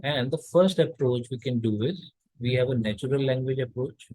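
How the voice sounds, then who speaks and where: A man's voice: mid-range voice, normal speed, dark tone, no echo, low-quality recording. A man from India giving a recorded college lecture, explaining step by step with frequent fillers and restarts.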